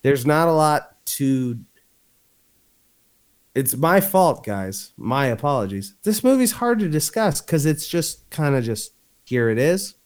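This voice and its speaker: A man's voice: fairly high pitch, very animated, slow pace, clean tone. A young man co-hosting a podcast in casual chat, swearing freely and laughing often. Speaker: podcast co-host.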